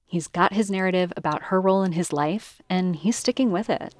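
Woman reporter telling a news story, lowish voice, dry sound. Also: brisk, dry recording. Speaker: radio reporter. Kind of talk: scripted news narration.

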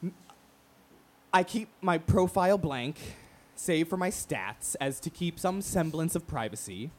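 An actor playing a brash, wounded, proud gay radio talk show host in an emphatic, profane, theatrical monologue. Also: male voice, on the high side, animated, a little slow. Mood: wry, rambling.

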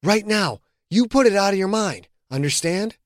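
A man voicing a calm, blunt young quarterback in an audiobook, speaking quietly and firmly. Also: sits high, moderate pace, no room sound, clean studio sound, voice pushed up. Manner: quiet, steady, firm.

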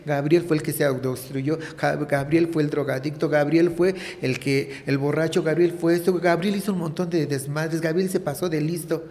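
A woman's voice: low-pitched, steady tone, normal speed, few pauses, dark tone. A trans woman giving an earnest, rambling personal testimony in an interview, full of fillers. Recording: echoey hall reverb.

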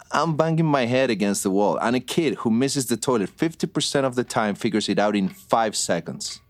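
A middle-aged man playing a patient police detective, calm and reassuring. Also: mid-range voice, normal speed, lightly acted.

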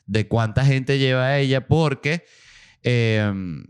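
A man hosting a podcast, telling a travel story in a casual, animated way and acting out the people he quotes. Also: slow, smooth. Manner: animated, acts out quoted voices with big pitch jumps. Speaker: podcast host. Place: small home studio room.

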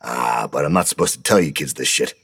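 A crude, foul-mouthed old scoutmaster grandpa with a gruff, low growl, as a man puts him on. His deep voice is husky and he spits out his words. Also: brisk, fairly bright tone, exaggerated voice. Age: older. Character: crude, gruff older scout leader, bigoted.

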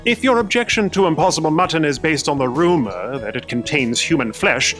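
An actor playing a deferential, unflappable manservant in a comedic radio play, speaking formally and precisely. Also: male voice, on the high side, lively intonation, fairly quick, a bit bright, soft background music. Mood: drily apologetic.

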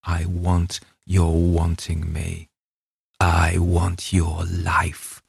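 A man's voice: deep voice, monotone, drawn-out words, gravelly, husky, no room sound, exaggerated voice. A man voicing an alluring predatory female creature in a story reading, insistent and incantatory, with an English accent. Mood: hungry, insistent. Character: alluring predatory female creature, hungry and demanding, as quoted by narrator.

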